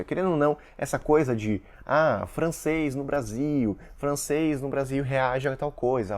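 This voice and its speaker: A man's voice: mid-range voice, a little mellow. A man from Russia, a Russian teacher and content creator with Russian as his first language, talking casually to camera and explaining with examples and asides to viewers.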